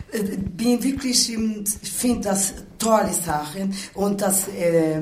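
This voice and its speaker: A woman's voice: on the low side, a little mellow. A woman from Brazil, searching for words with many fillers. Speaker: guest artist. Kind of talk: radio interview self-introduction. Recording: roomy echo.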